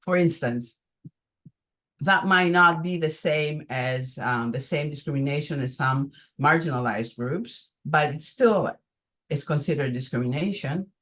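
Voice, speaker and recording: An older woman from Greece with a Greek accent, answering audience questions on a video call with many pauses and ums. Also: low-pitched, fairly bright tone. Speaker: conference presenter answering questions.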